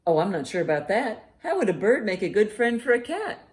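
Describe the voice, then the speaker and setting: A woman's voice: medium pitch, very animated, a little fast, darkish tone, voice pushed up, lightly acted. A woman voicing a blunt, emphatic cat in a children's picture book. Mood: doubtful. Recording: roomy, echoing sound.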